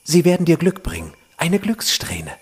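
An actor playing a young, devoted would-be warrior in an audio drama. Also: male voice, fairly high pitch, wildly swooping pitch, normal speed, husky, heavily acted. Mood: tender, awed. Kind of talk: German audio drama acting.

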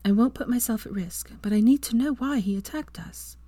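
A determined, teasing young witch in a storybook reading, as a woman narrator puts her on. Her lines sit clearly higher than the narration, recorded close and dry. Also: brisk, no room sound, lightly acted. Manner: bright, raised delivery against the narration.

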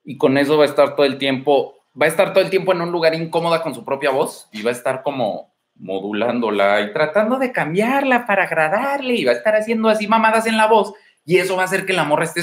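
A man with a Mexican accent speaks in a slightly raised voice, casually lecturing viewers of his home livestream. His manner is blunt and swaggering, salted with crude slang and rapid-fire rhetorical questions. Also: a little high, expressive. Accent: Mexican Spanish. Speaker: dating advice livestream host. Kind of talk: casual livestream advice talk. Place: indoor room at home. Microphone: streaming from home.

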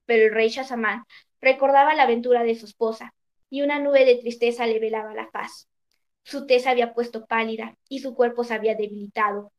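A woman narrating an old storybook tale in a measured, even reading. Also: on the high side.

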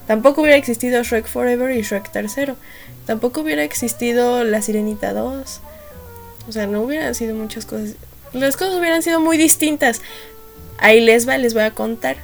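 This is a young woman with a Mexican accent hosting a casual podcast. Her slightly high voice carries a gravelly fry, and she tells stories in a loose, slangy way, acting out the lines of the people in them. Faint music plays underneath. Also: fairly quick. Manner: chatty and slangy, acts out quotes, laughs at her own jokes. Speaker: podcast host. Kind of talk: casual storytelling monologue.

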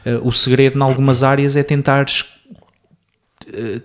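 A man's voice: medium pitch, little pitch movement, unhurried. A man from the Azores with a European Portuguese accent, chatting casually in a reflective, slightly hesitant way. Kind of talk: casual chat.

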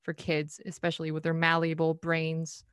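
Woman, Korean native speaker, podcast host, chatty; low voice, dry recording. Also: completely flat delivery, moderate pace, clear, resonant tone, no echo. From South Korea. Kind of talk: casual chat.

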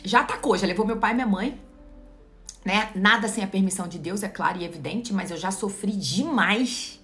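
A woman's voice: medium pitch, moderate pace, fairly bright tone, faint music behind. A young Brazilian woman speaking as a Christian mentor to her online followers, emphatic and direct as she preaches. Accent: Brazilian Portuguese. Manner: emphatic and direct, preachy, addresses the viewer as "you". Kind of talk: motivational live-stream talk to followers.

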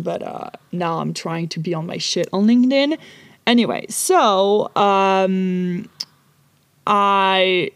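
A woman's voice: medium pitch, dry recording, clean studio sound. A woman from Paris, hosting a podcast in a casual, rambling way with easy swearing, recorded inside a small clothes closet. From Paris, France. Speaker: podcast host. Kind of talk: casual solo podcast chat. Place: small closet packed with dresses and magazines.

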